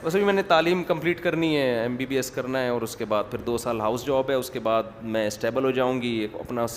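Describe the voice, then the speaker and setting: Young woman, mock-serious and casual, put on by a male preacher; low-key, hushed delivery. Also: in a large hall, slight background noise, natural voice. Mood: feigned nonchalance. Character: young woman student, coyly playing it cool.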